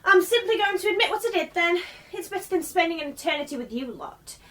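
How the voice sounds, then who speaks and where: A woman playing an indignant, shameless, newly dead journalist in her twenties in a radio play, brisk and self-justifying. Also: extremely high pitch, animated, bright, forceful tone, heavily acted. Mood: incredulous. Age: 20s. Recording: distant microphone.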